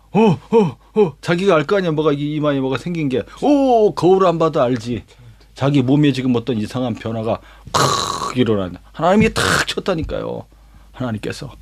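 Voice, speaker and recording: A male pastor telling a Bible story as a lesson, dramatic, with vivid sound words and rhetorical questions. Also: mid-range voice. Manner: acts out quoted lines himself.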